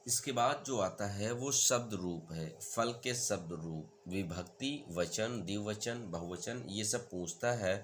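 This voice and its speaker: A man with a low-pitched voice leads an exam-prep grammar lesson. He drills the word forms in slow, repeated chants and keeps asking his students whether it is clear. A faint hum of room noise sits behind him. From India. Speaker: teacher.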